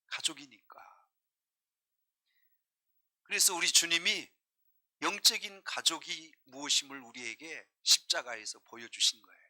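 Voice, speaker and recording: A man preaches a sermon with a very bright, piercing edge to his voice, set a little high for a man. He keeps asking the congregation questions and swings between hushed asides and loud, driving emphasis. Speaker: pastor.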